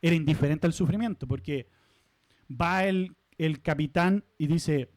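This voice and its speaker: High-voiced pastor preaching conversationally. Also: male voice, measured pace, darkish tone, no echo. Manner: conversational, asks the congregation questions, light humorous asides. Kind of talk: sermon. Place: church sanctuary.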